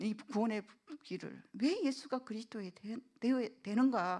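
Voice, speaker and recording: The pace is fairly quick. It belongs to a woman talking. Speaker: pastor. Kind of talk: sermon.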